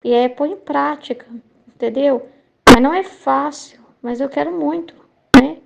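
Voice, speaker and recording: High, gravelly woman giving a hesitant testimony. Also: a little slow, heavy background noise. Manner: hesitant, searching for words, frequent tag questions. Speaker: member sharing a faith testimony. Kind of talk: casual spoken testimony.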